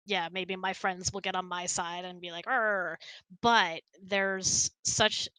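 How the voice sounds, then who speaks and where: A woman's voice: fairly low pitch, steady tone, slow, pushed and bright, clear, resonant tone, no echo. A middle-aged woman in casual conversation, talkative and explanatory as she hosts and answers questions. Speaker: host of a couple's hangout. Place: close, dry room on an online voice chat.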